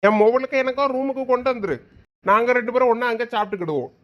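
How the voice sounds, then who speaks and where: A man playing a soft-hearted village father who coaxes and defends his daughter. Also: very high voice, fast, highs cut off. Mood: coaxing. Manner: coaxing, pleading. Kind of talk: comedy skit acting.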